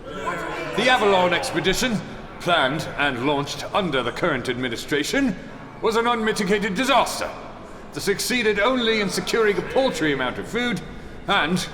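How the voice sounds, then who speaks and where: A high-voiced, indignant opposition leader speechifies in a science fiction audio drama. His delivery swings widely as he accuses and declaims, in an echoing hall with noise around him. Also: big pitch swings, moderate pace, pushed and bright, full character voice. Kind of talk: sci-fi audio drama parliamentary oratory. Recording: echoey hall, clear background noise.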